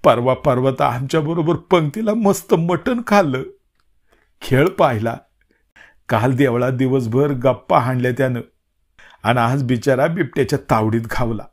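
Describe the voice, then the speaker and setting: A man's voice: medium pitch, moderate pace, breathy edge. A man voicing a weeping village man with a rural Marathi dialect, lamenting a lost friend. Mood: grieving. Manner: tearful, lamenting. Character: village man who mourns and weeps for his friend.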